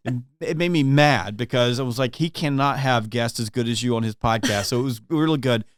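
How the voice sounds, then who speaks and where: A male podcast host talks with a guest in an eager, conversational manner. His voice is clear and smooth at a medium pitch. The sound is close and dry, with no reverb. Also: brisk. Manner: enthusiastic, conversational, some restarts. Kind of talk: podcast interview.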